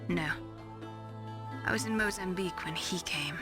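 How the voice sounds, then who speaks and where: A woman's voice: on the low side, close to an everyday voice. Woman acting a wounded, bitter female scientist over music. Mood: bitter, grieving. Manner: halting, emotional, intense. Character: wounded, bitter female scientist confessing her secret past. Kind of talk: dramatic video game voice acting. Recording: dramatic music behind the voice.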